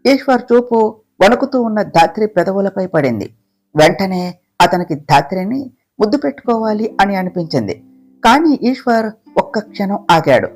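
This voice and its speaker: A storyteller reading a romance story aloud in a slow, even, gentle way. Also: mid-range voice, soft background music. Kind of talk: scripted narration of a romance story.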